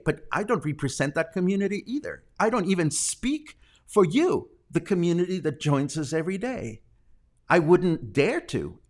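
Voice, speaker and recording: A man from Mexico hosting a daily live news stream, talking earnestly and defensively, with fillers and restarts. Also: on the high side.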